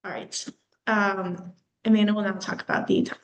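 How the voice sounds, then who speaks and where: A woman presenting to an audience at a mid-range pitch. Her delivery is relaxed and conversational, with frequent fillers between her points. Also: brisk, lo-fi sound. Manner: casual, filler-heavy explaining. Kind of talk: conference presentation.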